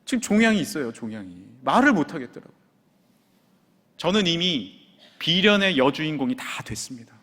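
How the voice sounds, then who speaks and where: A male senior pastor preaching a sermon in a church, telling a personal story with hushed asides and sudden exclamations. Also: fairly high pitch, big pitch swings, moderate pace, long pauses. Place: church sanctuary. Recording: long church hall reverb.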